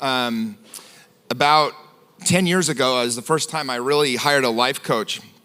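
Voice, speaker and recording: A man speaks in an ordinary speaking voice. His pace is fairly quick and his intonation lively. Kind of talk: conference stage introduction.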